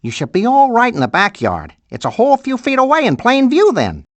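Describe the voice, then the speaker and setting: A woman's voice: fairly high pitch, wildly swooping pitch, a little fast, no echo. A woman voicing a busy, folksy animal mom in a video game, homespun and motherly with an Upper Midwestern accent. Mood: chipper, helpful. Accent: Upper Midwestern American.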